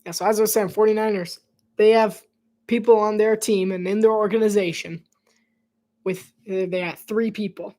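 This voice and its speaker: A man giving casual live play-by-play commentary, chatty and rambling, breaking into laughter and dropping to soft whispered asides between plays. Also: high-pitched, fairly even intonation, moderate pace.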